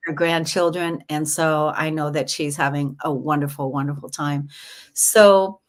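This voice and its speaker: A woman's voice: low-pitched, steady tone, unhurried. Earnest, meandering woman podcast host. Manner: meandering, filler-heavy, earnest. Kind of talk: casual podcast interview.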